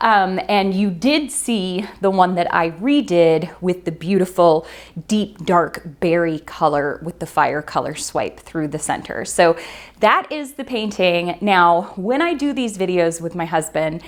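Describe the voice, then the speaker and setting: A woman with a normal speaking voice and a medium pitch talks at a fairly slow pace with lively intonation. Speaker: fluid art painter. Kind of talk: casual talk to camera. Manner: upbeat.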